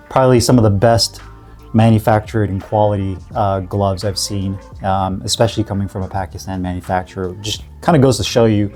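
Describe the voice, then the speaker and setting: A man with a cold, sniffling a bit, reviewing gear in a relaxed, rambling way full of fillers and restarts. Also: fairly low pitch. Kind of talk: casual product review.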